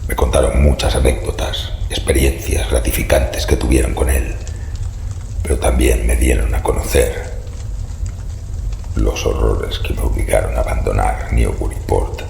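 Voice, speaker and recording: An actor playing a haunted, secretive old man who gives grave, ominous warnings in a horror audio drama, with a rasping voice. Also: a bass voice, steady tone, measured pace, warm tone, heavily acted. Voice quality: very gravelly, breathy rasp. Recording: echoey hall reverb, faint noise.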